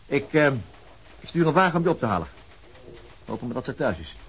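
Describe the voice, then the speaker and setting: A stubborn old-hand police detective with a Dutch accent, talking bluntly and commandingly. His pitch moves a lot as he turns things over. He is a man in his fifties set in his ways. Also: very animated, fairly quick, a little hiss or hum, rough recording. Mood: musing. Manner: blunt, musing, then commanding. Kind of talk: Dutch radio drama acting.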